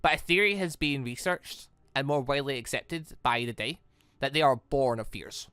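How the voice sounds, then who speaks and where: Bright-voiced man reading game dialogue, stumbling. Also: medium pitch, clear, resonant tone, dry recording. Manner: halting, stumbling over words and correcting himself. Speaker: gaming video host. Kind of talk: reading visual novel dialogue aloud.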